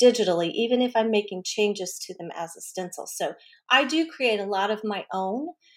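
A woman's normal speaking voice, fairly high in pitch, at a moderate pace. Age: 50s. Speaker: podcast host, cookie decorator. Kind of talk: casual chat.

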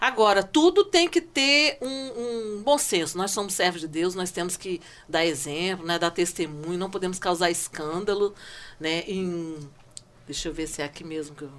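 An ordinary speaking voice from a woman at medium pitch, moderate pace, lively intonation and big swings in loudness. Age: 50s. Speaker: church women's leader and Sunday school teacher. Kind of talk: casual chat.

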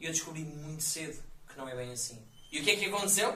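Over noticeable background noise and audible room echo, a man talks at a fairly high pitch with ordinary pitch variation. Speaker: professional wrestler. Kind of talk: in-character interview.

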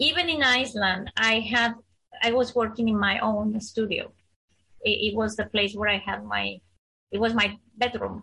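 In a Spanish accent, a woman speaks at a fairly high pitch and moderate pace. Her tone is bright and sharp with vocal fry and fairly even intonation. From Argentina. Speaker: abstract artist and curator. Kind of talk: interview. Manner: halting.

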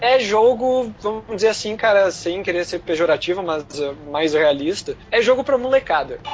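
Fairly slow speech from a man, with noticeable noise in the background. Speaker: podcast panelist. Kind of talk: casual chat.

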